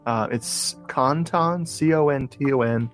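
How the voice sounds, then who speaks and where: A man chatting on a podcast, enthusiastic and rambling, often stopping to restart a sentence. His voice sits at an everyday middle pitch, with faint music behind him. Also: unhurried. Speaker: podcast co-host. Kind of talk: casual chat about horror movies.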